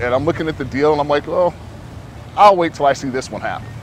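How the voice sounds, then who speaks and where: Noticeable background noise sits under a man's voice. He speaks very fast, at a fairly high pitch, with lively intonation. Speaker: property manager and real estate investor giving a testimonial. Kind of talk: testimonial interview answer. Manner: casual, conversational.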